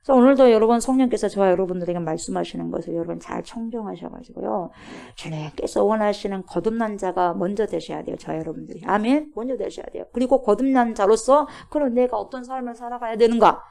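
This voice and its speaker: A woman's voice: medium pitch, fast talker, creaky, few pauses, dark tone. A woman pastor preaching at a Friday prayer service. She asks the congregation questions and drops to a whisper at times. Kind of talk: sermon. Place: church.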